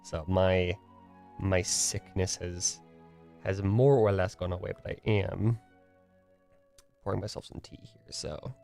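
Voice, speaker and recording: A man's voice: deep voice, level tone, takes it slowly, gravelly, long pauses, warm tone, soft background music. A young man streaming solo, rambling casually with lots of fillers, his voice a bit stuffy and nasal from a cold and tired from the morning. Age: young adult. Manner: rambling, filler-heavy, restarts often.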